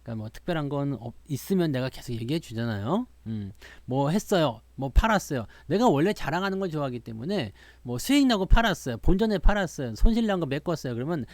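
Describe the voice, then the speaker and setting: Lively chatty man, boastful market talk. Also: a little high, fast, hardly any pauses, no echo. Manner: boastful, chatty, full of rhetorical questions. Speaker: stock market show host.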